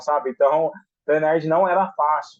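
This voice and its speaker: A man speaks in an interior São Paulo accent. His pitch is fairly high. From Brazil, interior of São Paulo state near Minas Gerais. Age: 30s. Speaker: author. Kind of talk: podcast interview. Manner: casual, slangy.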